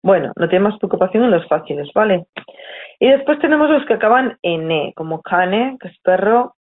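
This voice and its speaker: Una profesora con acento de España explica con paciencia a sus alumnos, les pregunta a menudo si lo siguen y se corrige a media frase. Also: female voice, medium pitch, expressive, moderate pace, slightly rough. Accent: Spain Spanish. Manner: patient, checks in often, corrects herself mid-sentence. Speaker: teacher. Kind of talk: explanatory lesson to students. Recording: tinny phone-like audio.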